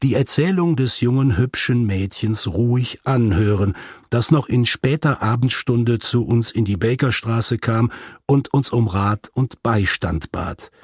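A man's voice: mid-range voice, a little slow, husky, no room sound, studio quality. A man reading a detective story aloud as scripted audiobook narration. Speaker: audiobook reader.

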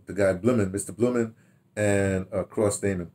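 Older American man, sixties, slightly deep voice, casual storytelling, rambling, stop-and-start phrasing, animated asides. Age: 60s. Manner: halting, repeats words, animated asides. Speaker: radio drama director telling his history. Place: small home study, indoors.

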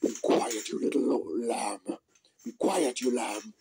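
Someone doing a hungry menacing wolf for a puppet show, slow, gloating, kinda dark voice. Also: mid-range voice, creaky, slightly rough. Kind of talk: amateur puppet show acting. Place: small indoor room, behind puppet curtain.

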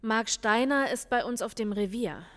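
An actress in a crime radio play as a calm female police lieutenant, questioning in a measured, insistent way. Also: fairly high pitch, in a large hall, close to an everyday voice. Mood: calm, factual. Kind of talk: audio drama dialogue.

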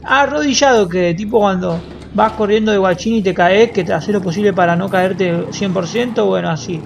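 A man's voice: sits high, normal speed, vocal fry, slight background noise. An Argentine man streaming a roleplay game, improvising joking, cocky banter full of street slang. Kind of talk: improvised in-character banter, casual slangy chat.

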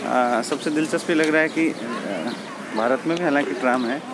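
A man in his thirties from India with an Indian accent, vlogging as he walks, narrating quickly and chatting in simple English. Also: mid-range voice. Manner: rapid, breathless narration, halting simple English in chat. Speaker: travel vlogger. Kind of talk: casual travel vlog narration and street chat. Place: outdoor city square with traffic. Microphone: phone camera held while walking. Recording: outdoor street noise.

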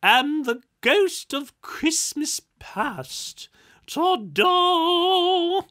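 A woman's voice: very high-pitched, expressive, extremely slow, fairly bright tone, pitched above the performer's own voice, full character voice. A woman voicing a brash, bawdy ghost of Christmas past, teasing and showy. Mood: sassy, exasperated.

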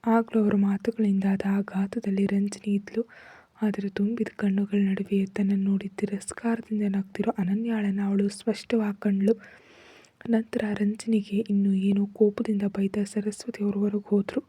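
A woman narrating a dramatic family story in a soft, steady whisper. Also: mid-range voice, normal speed, breathy edge, no room sound.

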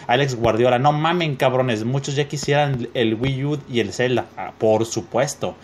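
A young Mexican-accented man reads comments off his screen, cursing and joking between them at a mid-range pitch. It sounds like a home desk mic with a faint hiss underneath. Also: normal speed. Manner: profane, joking, reads comments aloud with laughs. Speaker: gaming youtuber reading comments. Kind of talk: casual screen-reading commentary.

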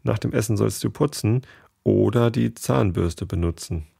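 A man's voice: on the low side, normal speed, vocal fry, mellow, breathy edge, no room sound, studio quality, full character voice. A man voicing an unsure young woman who speaks hesitantly and doubts herself.

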